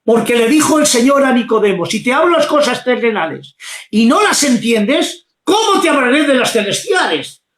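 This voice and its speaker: A man preaching fervently, often shouting his exclamations. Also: very high-pitched, big pitch swings, moderate pace, roomy sound. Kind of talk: impassioned preaching.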